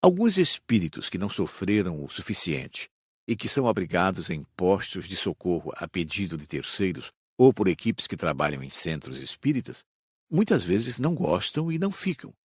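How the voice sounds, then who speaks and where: A Brazilian man playing a patient spirit teacher in an audiobook, explaining in a measured, didactic way. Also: low-pitched, sing-song, slightly rough, no echo, studio quality, full character voice. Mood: calm, instructive. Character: patient male spirit teacher instructing his students. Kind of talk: audiobook dramatized reading.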